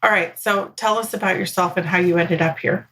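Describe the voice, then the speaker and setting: A woman's voice: on the low side, fairly even intonation, brisk, fairly bright tone, poor audio. A woman in her forties hosting a casual podcast interview, asking friendly, curious questions with dry little asides. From New York, USA. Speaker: podcast host.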